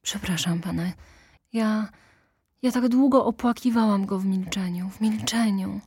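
A woman's voice: medium pitch, unhurried, darkish tone, slightly rough, no room sound, pitched above the performer's own voice. A woman voicing a grieving young woman who pleads in tearful bursts and whispers, in an audiobook reading. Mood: pleading. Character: grieving young woman, Kurtz's fiancée, desperate.

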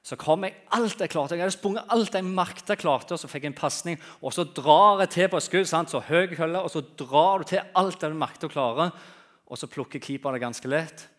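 Animated male preacher telling stories. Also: a little high. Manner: animated storytelling, swinging from loud to quiet. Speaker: guest preacher. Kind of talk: sermon with humorous anecdotes.

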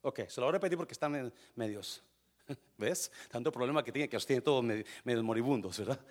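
A man preaching a sermon, asking the congregation questions and swinging from quiet asides to loud bursts, with English words in his Spanish. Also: mid-range voice, fast. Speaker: pastor.

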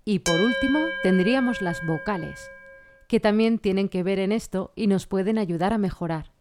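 A woman vocal coach explaining singing technique in a clear, patient way. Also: mid-range voice, moderate pace, a little mellow, soft background music. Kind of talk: singing lesson with sung vocal examples.

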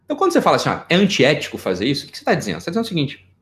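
Here a middle-aged man from Brazil speaks on the high side and very quickly, lecturing informally on psychology. He jokes around, stays animated, and keeps throwing out rhetorical questions in his Brazilian Portuguese accent.

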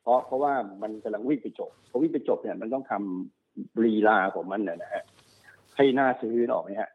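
A man working as a stock market analyst, explaining market cycles quickly and repeating himself, often checking that the listener follows. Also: mid-range voice, animated. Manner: fast, repetitive explaining, often checks understanding. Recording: narrow phone-like sound.

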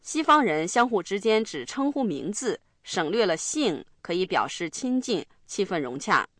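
Lady host explaining a language lesson, bright voice, clear, dry studio. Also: medium pitch, big pitch swings, normal speed, no echo. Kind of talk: scripted lesson narration.

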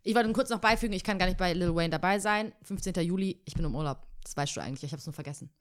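A woman's voice: lowish voice, racing. A young woman, co-hosting a podcast in casual chat, thoughtful and hedging with many fillers. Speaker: podcast co-host.

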